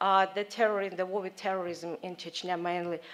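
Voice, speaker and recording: Against a quiet background, a woman speaks at a moderate pace in a medium pitch. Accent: Russian. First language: Russian. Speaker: investigative journalist. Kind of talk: conference panel talk. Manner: halting, many fillers.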